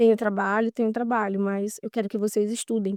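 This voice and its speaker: Recorded in a dry, close sound with no echo, a woman speaks with a fairly high pitch. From northern Brazil, Parauapebas, Pará. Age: 30s. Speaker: city councillor. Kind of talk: interview.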